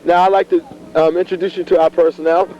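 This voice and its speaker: A man's voice: high-pitched, level tone, fast. An American man hosting informal community TV interviews, with a joking, teasing manner. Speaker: host interviewing young people at a fair. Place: busy auditorium at a fair. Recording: muffled sound, busy crowd noise behind.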